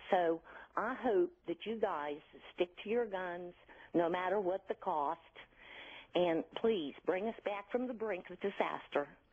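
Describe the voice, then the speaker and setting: A woman has a plain, everyday voice at a medium pitch. She talks at a moderate pace with lively intonation. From West Virginia. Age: 60s. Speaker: caller. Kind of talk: call-in question.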